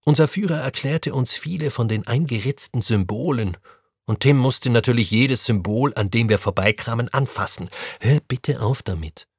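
A man reading a first-person adventure story aloud, with an animated, expressive delivery. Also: mid-range voice, moderate pace, slightly rough, no echo, studio quality. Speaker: story reader.

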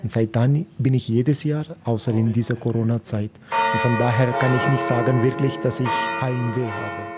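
A man from India, a priest, speaking German as a second language in a radio interview, halting and searching for words. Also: mid-range voice, steady tone, music in the background. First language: not German.

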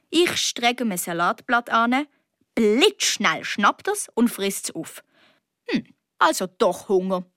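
A woman with a Swiss German accent reading a children's story aloud as a young girl's first-person narration, lively with sudden high outbursts. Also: dry recording, studio quality.

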